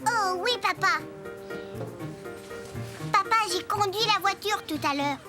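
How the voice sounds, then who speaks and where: Very high-pitched cheerful little boy. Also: unhurried, over music. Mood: proud, eager. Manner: childlike, exclamatory. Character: cheerful, curious four-year-old boy. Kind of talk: dubbed children's cartoon acting.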